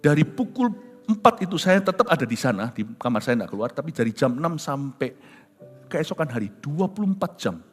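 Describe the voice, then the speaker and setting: Male pastor, high lively voice, dramatic sermon storytelling, long church reverb with soft music. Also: a little fast. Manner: animated, dramatic, mixes in English phrases. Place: large church hall.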